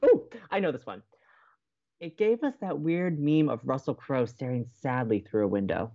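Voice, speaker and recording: A man's voice: mid-range voice, lively intonation, normal speed, dark tone, dull audio, close to an everyday voice. An actor playing a playful, mischievous young male college radio co-host, bantering in an audio drama. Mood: playful, teasing. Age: young adult. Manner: teasing, mischievous.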